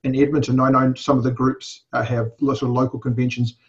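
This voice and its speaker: A man's voice: mid-range voice, little pitch movement, fast. A man in his forties from England, raised in New Zealand, with an English accent tinged by New Zealand, talking as a guest in a casual podcast interview, rambling with many fillers and wry asides. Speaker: convention organizer, guest. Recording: dull lo-fi podcast audio.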